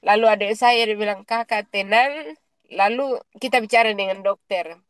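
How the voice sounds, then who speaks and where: A woman's voice: medium pitch, normal speed, smooth, no echo. A woman with a Papuan Indonesian accent giving a personal testimony on Christian radio, telling her story vividly and acting out the dialogue. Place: radio studio.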